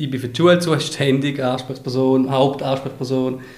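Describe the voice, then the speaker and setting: At a moderate pace and with fairly even intonation, the voice comes through noticeable background noise and audible room echo. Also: man. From Romanshorn, Swiss Lake Constance. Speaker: youth worker, father. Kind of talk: interview. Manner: halting, many hesitations.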